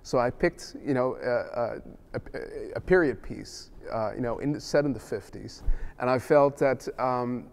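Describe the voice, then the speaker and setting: Middle-aged dutch-born guy rambling through interview answers, lots of restarts, medium pitched voice. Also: unhurried, creaky. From Netherlands. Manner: rambling, many restarts and "you know". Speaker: film director.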